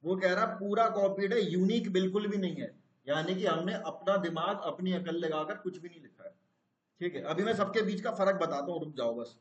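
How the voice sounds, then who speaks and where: A man's voice: high-pitched, brisk, echoey room, highs cut off. A man teaching a live online class, explaining step by step and asking his students questions.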